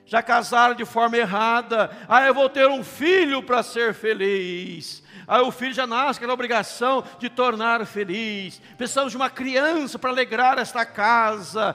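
A man's raised, projected voice sits at an extremely high pitch. He speaks fairly slowly with hardly any pauses. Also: ordinary pitch variation. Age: 50s. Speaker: pastor. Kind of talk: sermon.

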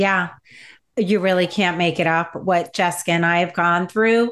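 Against a quiet background, a woman uses an unremarkable speaking voice at a medium pitch and a moderate pace. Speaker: divorce expert and co-parent. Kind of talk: interview chat giving advice.

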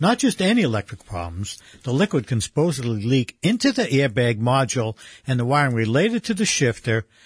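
Against a quiet background, a man with a medium, somewhat breathy voice talks at a fairly quick pace with very wide pitch swings, in a dry, close sound with no echo. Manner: conversational, easygoing, chatty with humor.

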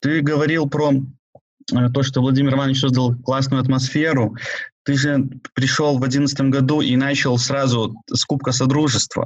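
A man talks in a flat monotone at a medium pitch, somewhat breathy, with very even loudness. Long pauses come often. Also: moderate pace. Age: 30s. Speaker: club press officer. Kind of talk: casual interview. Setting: video call.

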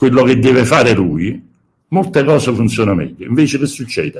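A man talks with very wide pitch swings. His voice is somewhat breathy. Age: 60s. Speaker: sociologist and writer. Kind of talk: interview. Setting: live stream.

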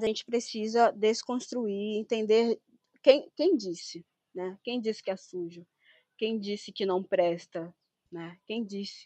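A woman speaks very slowly in a fairly high, dark and mellow voice, with ordinary pitch variation, big swings in loudness, and a dry, close sound with no echo. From Angola. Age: 20s. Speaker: women's health researcher. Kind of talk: interview.

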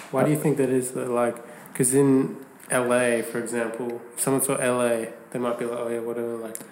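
A man talks at a fairly quick pace in a medium pitch, his intonation monotone and flat while his loudness swings widely. Noticeable background noise and audible room echo are present. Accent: Australian. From Perth, Australia. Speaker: podcast host. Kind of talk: casual chat.

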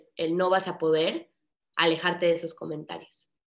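Her fairly low pitch stays in monotone, flat intonation as the woman speaks. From Mexico, Veracruz. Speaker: Olympic kayaker. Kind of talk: interview.

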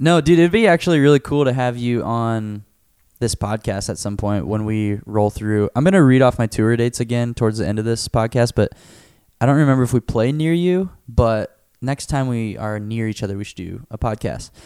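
Pitch moves in an ordinary way through a dark, mellow tone. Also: man, medium pitch for a man, fairly quick pace, dry, close sound with no echo, very clean recording, silent background. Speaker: podcast host and YouTuber. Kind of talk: casual solo chat to listeners. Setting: small office, video recording. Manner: many pauses between words.

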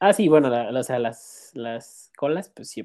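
A man's dark, mellow tone with a Mexican accent, a fairly quick pace and ordinary pitch variation. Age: 20s. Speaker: podcast host. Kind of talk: casual chat. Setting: studio.

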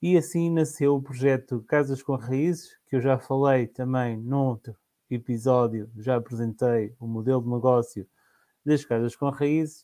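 This man's voice has a dark, mellow tone at a medium pitch, and he speaks at a fairly slow pace. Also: ordinary pitch variation. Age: 30s. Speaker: podcast host and rural entrepreneur. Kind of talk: solo podcast monologue.

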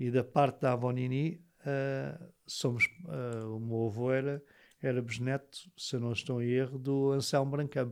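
At a fairly slow pace, a man with an unremarkable speaking voice talks in a medium pitch with fairly even intonation, in a very clean recording with a silent background. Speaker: interviewee, host's uncle. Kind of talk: casual chat. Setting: studio.

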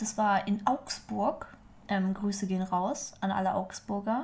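Very slowly and somewhat breathily, a woman speaks in a fairly high pitch on a very clean recording with a silent background. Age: 20s. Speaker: podcast host. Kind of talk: casual chat. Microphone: poor sound quality.

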